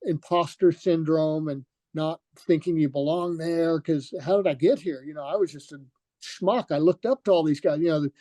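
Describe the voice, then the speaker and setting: A man's voice: a little high, moderate pace, warm tone, no room sound. An older man, a retired racer, telling stories from his career in a loose, rambling interview with many fillers and restarts. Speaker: retired motocross racer, guest. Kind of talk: relaxed reminiscing in an interview.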